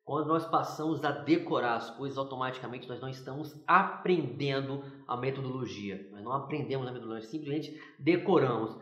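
A man's voice: mid-range voice, fairly quick, few pauses, reverberant, lo-fi sound. A male TV interviewer who chats easily and sums up his guest's points. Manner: chatty, summarizes the guest's points. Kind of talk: interview talk.

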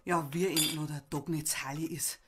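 A woman's voice: sits low, steady tone, normal speed, very noisy, close to an everyday voice. An actress playing a disapproving, grumbling rural woman with a Bavarian accent in an audiobook drama. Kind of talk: dialect audiobook drama acting. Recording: loud clatter of dishes, cutlery.

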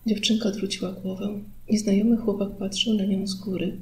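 A woman reads a novel aloud in calm, even audiobook narration, recorded in a studio. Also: mid-range voice, fairly quick, slight background noise, low-quality recording.

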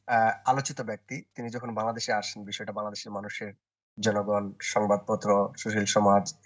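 A man, a newspaper correspondent, giving opinion commentary in a TV interview, speaking deliberately and often pausing with "uh" and restarting. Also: lowish voice. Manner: deliberate, with frequent "uh" pauses and restarts.

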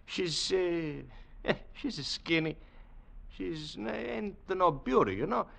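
A man playing an excitable Italian immigrant peanut vendor in a 1940s radio drama, speaking halting, theatrical broken English with an Italian accent. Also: sits high, vocal fry, full character voice. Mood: animated, amused. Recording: vintage 1940s radio recording.

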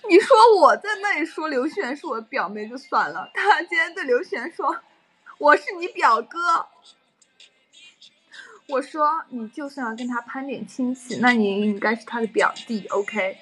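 A woman's voice: high voice, expressive, a little fast, few pauses, fairly bright tone, soft background music. A young adult woman chatting casually on a livestream and telling stories animatedly with frequent laughs.

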